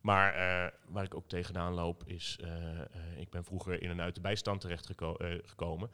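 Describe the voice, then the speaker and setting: Dutch man, very low voice, smooth, hesitant, lots of ums, candidate at a table talk. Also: level tone, normal speed, bright, forceful tone. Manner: hesitant, many fillers and restarts. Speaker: political candidate. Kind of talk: casual panel talk.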